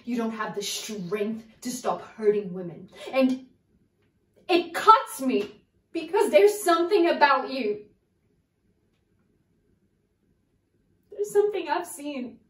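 A young woman acting a hurt, lovesick woman confronting her lover in a searching, halting dramatic monologue. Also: high-pitched, big pitch swings, full character voice. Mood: angry, anguished. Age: young adult. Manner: searching, halting soliloquy with pauses and swings from quiet to forceful. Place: indoor room before a plain backdrop. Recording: roomy echo, distant microphone.

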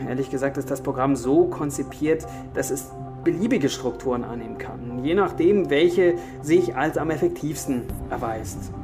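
An analytical male computer scientist, acted by a man in a sci-fi radio play, with music clearly behind him. He explains in a hesitant, uncertain way, weighing each point. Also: medium pitch, moderate pace, lightly acted. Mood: cautious, analytical. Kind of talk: science fiction audio drama acting.

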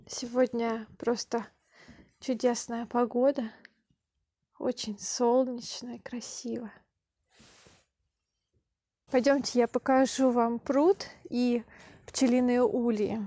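Slow, calm young woman touring a house. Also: a little high, dry recording. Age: young adult. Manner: calm, unhurried, deliberate explaining. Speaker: language teacher vlogger. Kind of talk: slow, clear Russian for learners. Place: country house and outdoor yard. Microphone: handheld camera at arm's length.

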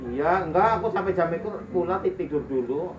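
A man's voice: fairly high pitch, fairly quick, highs cut off. A man chatting casually with his client and friends while cutting hair in a small salon. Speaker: barber and channel host. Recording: roomy, far from the mic, noisy.

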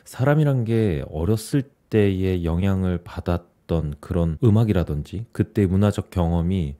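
A man in his forties hosting his channel and calmly reading an essay aloud in a small home studio. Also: deep voice, moderate pace. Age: 40s. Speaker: YouTube host. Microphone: studio mic on boom, headphones.

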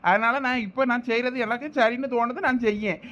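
A man's voice: very high voice, fairly even intonation, a little fast, sharp tone. A man playing an aggrieved brother with a Thoothukudi accent. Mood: insistent. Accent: Thoothukudi Tamil. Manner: insistent, complaining. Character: aggrieved middle-aged brother demanding his property. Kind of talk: village comedy skit acting.

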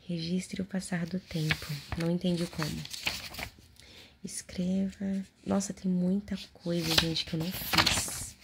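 A Brazilian woman murmurs casual ASMR as if right in your ear. Her low, gravelly voice often drops into a whisper while she reads aloud and adds offhand remarks. The close home recording has clear background noise. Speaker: ASMR video host. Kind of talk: soft-spoken and whispered ASMR, casual chat. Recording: noisy close home recording, handling clicks.

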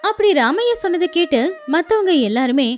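A woman narrates a children's village tale in a high voice, with music playing behind her. The delivery is scripted storytelling. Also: sing-song, a little fast.

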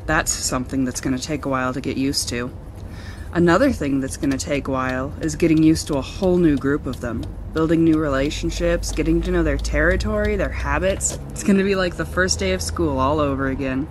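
An actress plays a hopeful woman traveler in a radio play, her voice pitched low. She muses aloud in a chatty, eager way, with faint noise and vehicle ambience behind her. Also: fairly quick, lightly acted. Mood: hopeful, reflective. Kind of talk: radio drama monologue.

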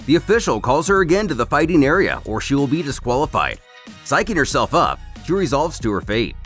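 Lively male narrator over music. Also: mid-range voice, fairly quick. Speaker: YouTube narrator and host. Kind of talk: scripted story recap narration.

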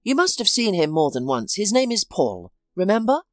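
A woman voicing a steady, helpful male friend, speaking calmly and reassuringly in a storybook reading. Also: medium pitch, moderate pace, no echo, studio quality, close to an everyday voice. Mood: matter-of-fact.

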